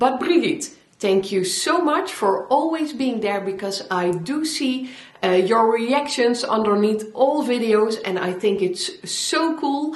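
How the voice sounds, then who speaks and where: Over noticeable background noise and audible room echo, a woman with a Dutch accent speaks very slowly in a high pitch with very wide pitch swings. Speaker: metalsmithing YouTuber. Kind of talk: casual Q&A video. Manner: halting, searching for words.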